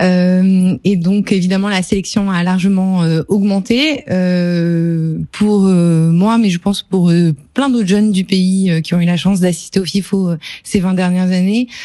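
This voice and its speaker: At a fairly slow pace, a woman with a medium pitch speaks in a dark, mellow tone with fairly even intonation and very even loudness. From French Polynesia (Tahiti). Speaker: festival communications manager. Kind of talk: radio interview. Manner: hesitant, many fillers.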